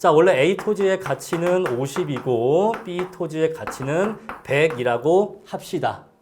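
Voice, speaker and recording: Amid noticeable background noise, a man with a high pitch speaks at a very slow pace. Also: ordinary pitch variation. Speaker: exam prep lecturer. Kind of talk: lecture. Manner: animated.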